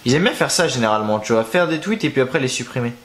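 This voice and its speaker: A man's voice: medium pitch, animated, rapid-fire, fairly bright tone. A young man chatting casually to camera, rambling and slangy, thinking aloud as he searches for things. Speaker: wrestling news youtuber.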